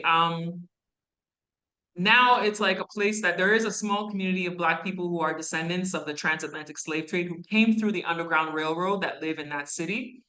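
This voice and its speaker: A woman who grew up in Canada speaks as a guest in a university classroom, answering students' questions. Her voice sits a little low but sounds bright and forward. She talks conversationally, wandering into asides and fillers. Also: rough recording.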